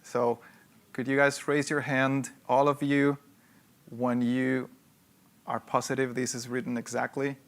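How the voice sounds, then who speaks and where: A man's voice: mid-range voice, flat delivery, measured pace. A man teaching a hands-on workshop to a live audience. He talks emphatically, repeats key points and keeps checking that people follow. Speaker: workshop instructor.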